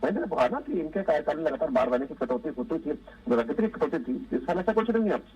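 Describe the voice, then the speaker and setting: A man's voice: on the high side, big pitch swings, fast talker, darkish tone, breathy edge, muffled recording. A man speaking assertively as a ruling party spokesperson in a TV political debate, defending his side insistently.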